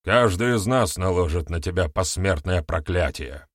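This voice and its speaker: A man voicing a booming, grave male tribal elder who speaks solemnly. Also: big pitch swings, takes it slowly, gravelly, slightly rough, no room sound, studio quality, full character voice. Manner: solemn and loud.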